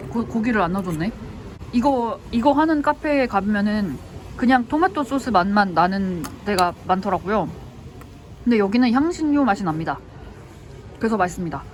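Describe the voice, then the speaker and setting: A vlogger chats straight to the camera over a meal in a cafe and vents their frustrations in a loose, talkative way. Their voice sits at a middle pitch, with faint street and vehicle noise behind it. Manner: chatty, venting frustration about a coworker. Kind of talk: casual vlog monologue.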